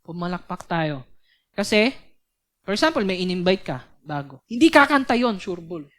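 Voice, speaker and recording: A woman's voice: lowish voice, very animated, moderate pace, fairly bright tone. A young woman preaching at a church youth service, talking casually and often asking the listeners rhetorical questions. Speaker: youth speaker.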